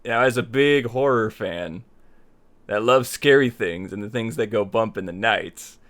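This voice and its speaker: Clear-voiced man hosting a casual tutorial. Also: on the low side, measured pace, fairly bright tone. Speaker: host of a tutorial series on making visual novels. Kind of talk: casual scripted-outline tutorial talk to viewers.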